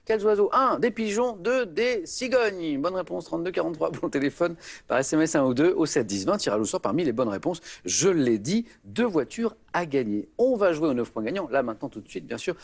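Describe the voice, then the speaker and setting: A man hosting a televised quiz show, lively and prompting his guests with follow-up questions. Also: on the high side. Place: TV studio with audience.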